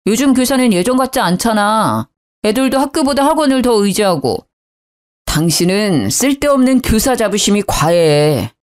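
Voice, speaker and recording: A woman's voice: medium pitch, sing-song, normal speed, lightly acted. A woman voicing a sarcastic, belittling husband in a narrated story. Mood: condescending. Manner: mocking, condescending.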